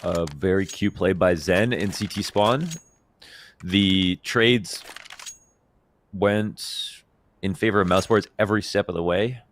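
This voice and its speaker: Very deep-voiced male esports caster. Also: a little hiss or hum. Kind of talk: casual esports analysis commentary.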